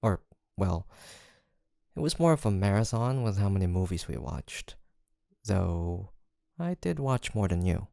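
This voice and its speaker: A man acts out a college-aged best friend in an intimate audio roleplay. His low voice is mellow and gravelly at the edges, with a casual, teasing delivery that stays fond and playful. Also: big pitch swings, a little slow, no echo, studio quality, heavily acted. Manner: casual, playful, murmured hesitations and soft laughs.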